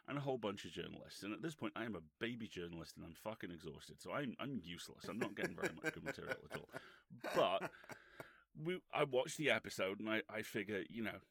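A British man with a fairly low voice spins a casual, profane anecdote, dry and wry in his delivery. The sound is close and dead, with no room around it. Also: lively intonation, fairly quick, gravelly, fairly bright tone, slightly rough, dry recording. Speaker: podcast co-host.

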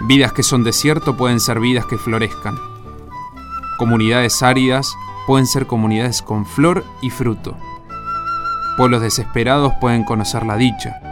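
A man's voice: medium pitch, moderate pace, over music. A man narrating a scripted radio play in a poetic, reflective manner.

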